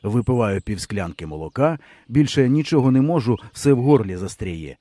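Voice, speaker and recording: A man reading a first-person novel aloud with expressive storytelling. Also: mid-range voice, normal speed, no echo. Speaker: audiobook reader. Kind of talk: audiobook narration.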